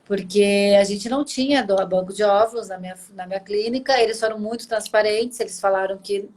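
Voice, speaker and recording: A Brazilian Portuguese-accented woman in her forties hosts a live video chat, speaking fairly quickly at a medium pitch. She tells personal stories emotionally, warm and chatty throughout, and the audio is from a video call.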